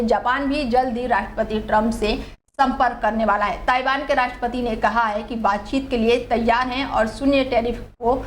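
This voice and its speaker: Higher-pitched woman reading news. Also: slight background noise. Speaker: news anchor.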